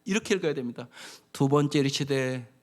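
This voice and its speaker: A man preaching a sermon as pastor, with emphatic exhortations that drop at times to hushed, whispered lines. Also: mid-range voice, brisk.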